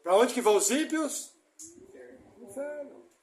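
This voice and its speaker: A man preaching a sermon as pastor, emphatic, putting rhetorical questions to the congregation and swinging between loud stresses and quiet asides. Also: high voice, expressive, moderate pace. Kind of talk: expository sermon.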